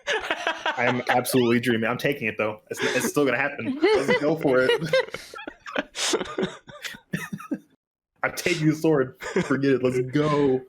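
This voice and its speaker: A man playing a tabletop game, excitable and laughing, with lots of fillers. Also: mid-range voice, a little slow, long pauses. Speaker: player. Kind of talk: casual tabletop play.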